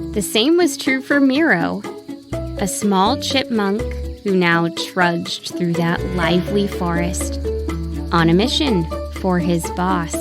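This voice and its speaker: A woman narrating a scripted children's story in an expressive, deliberate way. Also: mid-range voice.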